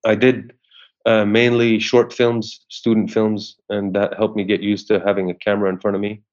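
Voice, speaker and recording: A man's voice: fairly low pitch, flat delivery, normal speed, darkish tone. A man from Syria, an actor, talking in an interview in a hesitant way with many restarts. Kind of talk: interview conversation. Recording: muffled lo-fi sound.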